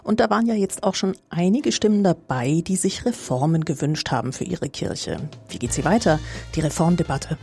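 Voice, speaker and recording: Female news host, low mellow voice, composed studio read, soft music behind. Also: moderate pace, gravelly. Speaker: news presenter. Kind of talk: scripted radio moderation.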